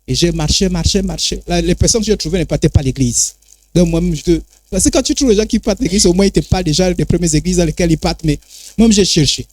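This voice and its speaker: A man's voice: sits high, fast talker, a little mellow, no room sound. A man preaching a sermon as an apostle, with emphatic repetition and call-and-response phrasing.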